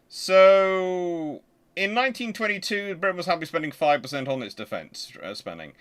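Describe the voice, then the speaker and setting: A man with a medium-pitched voice gives an informal live explanation as a history host. He thinks aloud in a conversational, halting way, sometimes muttering to himself as he works. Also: a bit bright.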